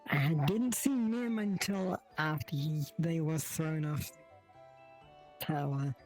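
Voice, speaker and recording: A man's voice: on the high side, slow pace, darkish tone, soft background music. A man chatting casually during a roleplay game, telling events in a loose, rambling way.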